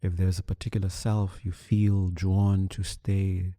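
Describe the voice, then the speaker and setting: Speaking low and calm, a male meditation teacher leads a guided session, his soothing delivery broken into short, deliberate phrases with long pauses between them. The recording is studio quality with no echo.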